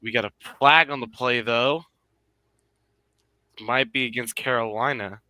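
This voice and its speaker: A man's voice: mid-range voice, fairly even intonation, unhurried, pushed and bright, no echo. A young man co-hosting a sports show who chats casually and gripes bluntly about his team. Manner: blunt, joking fan griping.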